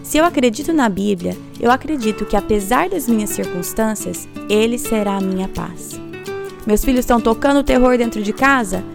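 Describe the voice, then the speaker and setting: Woman, scripted devotional, steady refrain, fry in voice, music underneath. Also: on the high side, a little fast. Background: music bed.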